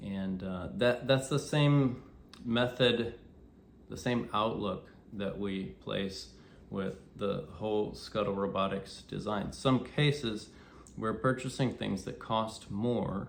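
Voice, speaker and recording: A man speaks at a very slow pace and a medium pitch, with audible room echo. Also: ordinary pitch variation. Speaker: engineer and maker tutorial host. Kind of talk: tutorial. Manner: halting with fillers.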